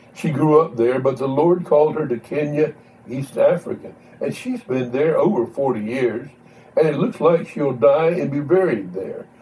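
Moderate pace and fairly high pitch from a man, with noticeable background noise behind him. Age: 70s. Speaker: pastor. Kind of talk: sermon. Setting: church.

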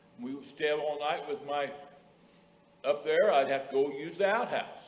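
A man speaks at a moderate pace with lively intonation. Noticeable background noise runs underneath. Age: 70s. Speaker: lay preacher. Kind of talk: sermon. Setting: church.

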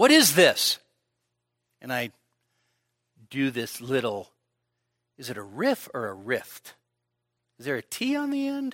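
A fairly slow pace with long, frequent pauses, in a dry, close sound with no echo, on a very clean recording with a silent background. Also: man, big swings in loudness. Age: 50s. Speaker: pastor. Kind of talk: sermon. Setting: church. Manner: conversational with many fillers.

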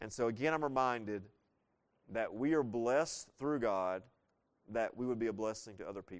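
A man's medium-pitched voice with a Southern US accent, moderate pace, ordinary pitch variation and long, frequent pauses. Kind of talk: sermon.

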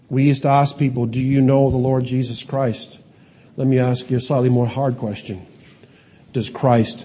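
A man talks at a medium pitch and a moderate pace. His voice is somewhat breathy, with a dark, mellow tone. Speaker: preacher. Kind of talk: sermon. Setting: church.

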